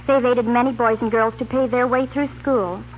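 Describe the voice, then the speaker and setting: A woman's voice: fairly high pitch, fairly even intonation, normal speed. Young female student guest, scripted interview delivery, tinny 1930s radio recording with light noise. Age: young adult.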